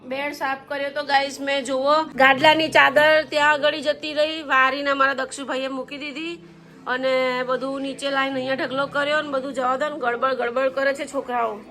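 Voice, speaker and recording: A woman's voice: high-pitched, flat delivery, normal speed, sharp tone, faint music behind. A mother in her thirties chatting to camera in a casual family vlog, scolding and teasing her sons. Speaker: mother and vlogger.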